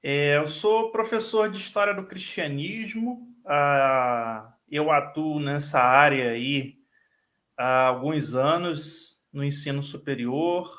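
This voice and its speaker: A man's voice: on the high side, slow pace, fairly bright tone. A man with a Rio de Janeiro carioca accent, a guest professor speaking fluently in a live online interview, often tagging his sentences with "né". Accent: Brazilian Portuguese, Rio de Janeiro (carioca). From Brazil. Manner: fluent, explanatory, frequent "né" tags.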